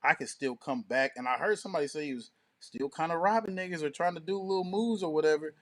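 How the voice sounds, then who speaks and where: A man's voice: fairly high pitch, fast. A man chatting casually and with strong opinions as a radio show co-host, in slangy, profane, emphatic talk.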